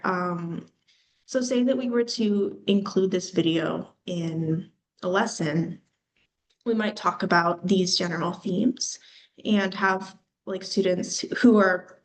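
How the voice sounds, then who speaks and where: A woman's voice: medium pitch, low-quality recording. A woman giving a presentation in a casual, explanatory way, often using fillers like "um" and "like". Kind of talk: conference presentation.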